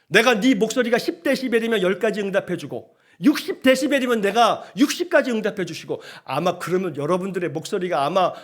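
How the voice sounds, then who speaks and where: A male pastor delivers a sermon in a church sanctuary. His voice sits high and swings widely as he coaxes the congregation to repeat lines back to him. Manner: animated, coaxing the congregation to repeat aloud.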